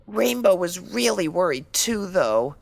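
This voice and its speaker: A woman's voice: fairly low pitch, very animated, measured pace, vocal fry, no room sound, exaggerated voice. A woman voicing a timid, injured young female pony in a dramatized story reading, hesitant and meek, with anxious pleading. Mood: wistful. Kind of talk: dramatized fan fiction reading.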